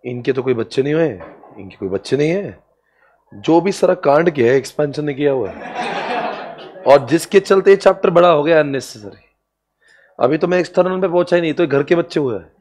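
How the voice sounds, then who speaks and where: A man lecturing a class with a fairly high voice. He keeps the lesson light and playful, jokes with his students and laughs often. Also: animated, normal speed, long pauses, darkish tone. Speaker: commerce exam lecturer.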